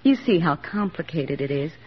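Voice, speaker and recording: Earnest young wartime nurse, tender and reflective, 1940s radio play, dull old broadcast sound. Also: female voice, low-pitched, expressive, normal speed, slightly rough. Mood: heartfelt.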